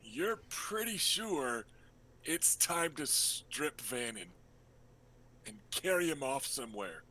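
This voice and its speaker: A man working as game master, narrating a tabletop role-playing game in a casual, halting, improvised way. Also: mid-range voice, sing-song, sharp tone, low-quality recording.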